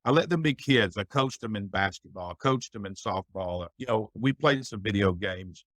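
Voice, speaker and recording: A man's voice: on the low side, lively intonation, normal speed, dry recording. A middle-aged man speaking as a podcast guest, giving earnest, folksy advice in a reflective conversation. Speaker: guest, business owner.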